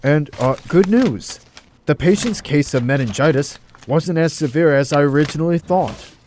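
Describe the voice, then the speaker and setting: A man's voice: fairly high pitch, normal speed, darkish tone, slight background noise, natural voice. A man playing a wistful, secretive doctor in an audio drama, theatrical and evasive, with an air of authority. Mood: composed.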